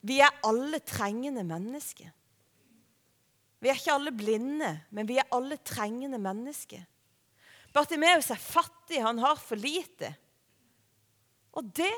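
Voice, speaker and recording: A woman's voice: high-pitched, lively intonation, pauses often. A woman preaching a sermon in a conversational way, often asking the listeners questions. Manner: conversational, warm-hearted preaching with rhetorical questions. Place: church hall. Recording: long hall reverb.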